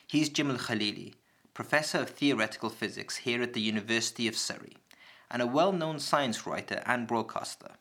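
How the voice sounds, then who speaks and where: A British man presenting a radio programme, reading a scripted introduction and asking interview questions in a measured, calm way in an office. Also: mid-range voice. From Britain. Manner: measured, calm, clearly read. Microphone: studio microphone in an office.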